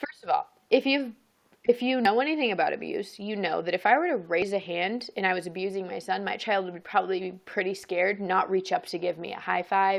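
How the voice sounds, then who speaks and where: A woman with an American accent speaks in a plain, everyday voice, medium in pitch with ordinary variation, at a fairly quick pace. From Los Angeles. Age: 20s. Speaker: vlogger, young mother. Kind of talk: casual livestream chat. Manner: casual, filler-heavy.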